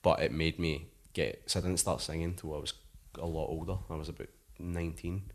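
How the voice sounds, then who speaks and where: His pitch is extremely low, his tone steady, and his pace fairly quick. The speaker is a Scottish musician in his thirties, casually rambling through an interview with frequent "like" fillers.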